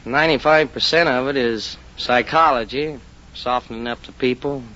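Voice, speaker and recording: A man's voice: medium pitch, moderate pace, bright, forceful tone. A man, a contestant who works as an auctioneer, answering questions in a plain, hesitant way. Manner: earnest, hesitant, plain-spoken. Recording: muffled old radio recording with hiss.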